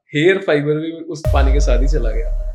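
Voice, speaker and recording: With music playing in the background, a man speaks with a slight Punjabi accent. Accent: Punjabi touch in Hindi. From Punjab, Patiala. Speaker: patient, comedy video creator. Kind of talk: interview testimony. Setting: clinic.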